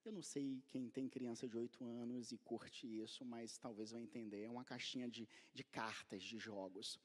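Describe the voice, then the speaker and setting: A man in his forties with a Brazilian Portuguese accent, preaching a sermon as a pastor and telling a story that swings from quiet to loud. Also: mid-range voice, steady tone, normal speed. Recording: long reverb of a large hall.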